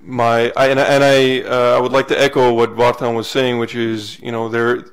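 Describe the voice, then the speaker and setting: A young man introduces himself at a panel table. His voice is smooth and resonant but held very level in pitch. He speaks in a relaxed way and slips in small jokes. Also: normal speed. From California. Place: university lecture hall panel table.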